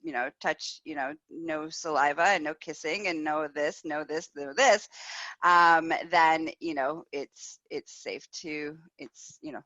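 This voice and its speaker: A woman host telling stories in a casual, candid, animated way, with playful emphasis and repetition. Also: low-pitched, a little slow. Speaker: host of a personal sex-life show. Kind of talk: casual chatty storytelling. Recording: roomy echo, slightly dull sound.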